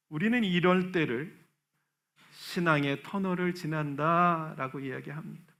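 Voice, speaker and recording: A man pastor preaching a Sunday sermon in a church, swinging between hushed and loud, impassioned delivery. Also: high-pitched. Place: church sanctuary.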